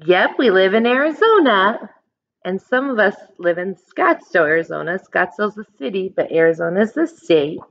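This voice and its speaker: A woman's voice: mid-range voice, sing-song, normal speed, vocal fry, a bit bright, lo-fi sound. An American woman reading a picture book aloud to children as a teacher, explaining it simply and putting questions to young listeners. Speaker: elementary school teacher.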